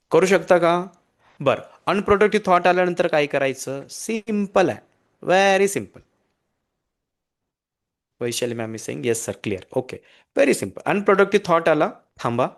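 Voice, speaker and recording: A man giving a lively counseling lecture over a video call. He repeats key points, checks in with his listeners often and slips English phrases into his speech. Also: medium pitch. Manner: energetic, repetitive, mixes in English phrases. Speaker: counselor and hypnotherapist. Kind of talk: motivational online lecture.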